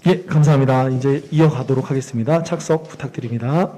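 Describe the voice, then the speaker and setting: A man's voice: medium pitch, fairly quick, warm tone, slight background noise. A man serving as master of ceremonies at a seminar, giving polite, directive announcements. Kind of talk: event announcing. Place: seminar hall.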